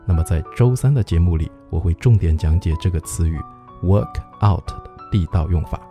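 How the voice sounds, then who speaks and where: A man hosting a radio-style English pronunciation lesson, patiently explaining and modeling phrases in slow, drawn-out repetitions. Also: low voice, music in the background. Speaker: English teacher and show host.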